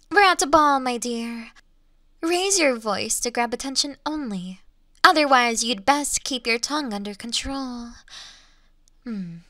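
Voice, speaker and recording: A woman acts out an elegant, teasing female monster from a Victorian fantasy audio drama. She speaks slowly and formally, in a crisp, bright, fairly high voice that often softens to a breathy whisper, mocking her prey with refined menace. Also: dry recording, studio quality, full character voice. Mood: condescending, teasing. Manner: slow, mocking, teasing, formal old-fashioned diction.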